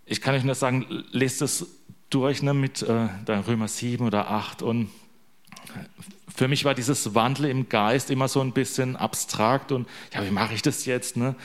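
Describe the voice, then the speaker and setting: A young-adult to middle-aged preacher, a father of young children, gives an informal sermon to his congregation in a medium-pitched voice with fairly even intonation at a normal speed. He's chatty and joking, constantly tacking little tag questions onto his sentences for the listeners.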